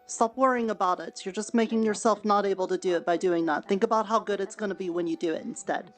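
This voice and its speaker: A woman voicing a firm, encouraging adventurer in a voice roleplay, speaking briskly. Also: medium pitch, faint music behind, lightly acted. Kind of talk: voice roleplay in a social VR world.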